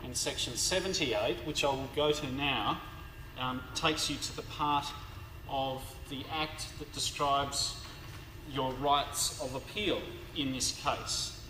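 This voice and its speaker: A man giving a university law lecture in a hoarse, tired voice, speaking haltingly with many fillers and restarts. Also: medium pitch. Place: large lecture hall. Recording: echoey lecture hall recording with background noise.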